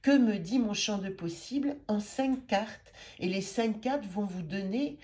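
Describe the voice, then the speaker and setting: Brief: middle-aged woman with a cold, gentle rambling card reader, mellow tone. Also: medium pitch. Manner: gentle, meandering, with pauses and fillers. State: has a head cold. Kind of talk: spiritual card-reading video.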